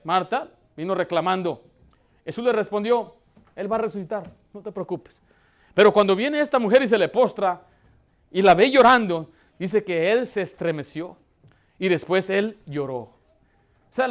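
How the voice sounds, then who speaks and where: A man with a high voice delivers a church sermon as pastor. He often stops to ask the congregation questions, and his delivery swells with emotion as he presses his point. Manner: preaching with rising emotion, asking the congregation questions.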